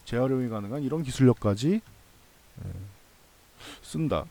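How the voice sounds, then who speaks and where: A man's voice: mid-range voice, animated, moderate pace, warm tone. A man hosting a stock analysis channel, explaining things in a casual, conversational and reassuring way, repeating points for emphasis. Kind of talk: casual explanatory commentary to viewers.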